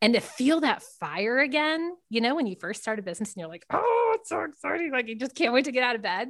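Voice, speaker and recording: Talking at a very fast pace with hardly any pauses, a woman with a high pitch swings very widely in pitch. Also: big swings in loudness. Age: 30s. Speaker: entrepreneur and business owner. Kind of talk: podcast interview.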